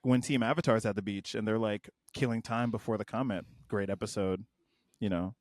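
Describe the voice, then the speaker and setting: A man's voice: lowish voice, steady tone, a little fast, darkish tone, no room sound, clean studio sound. A man in his twenties chatting casually on a podcast, playful and emphatic, sometimes mock-preachy. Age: 20s. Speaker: guest co-host.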